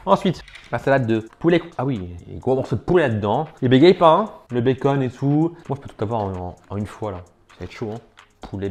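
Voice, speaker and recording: A man talks casually to his viewers while tasting a big spread of sandwiches, often with his mouth full. His voice sits at an ordinary middle pitch. Soft music plays underneath. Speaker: food challenge vlogger. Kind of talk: casual food review vlog.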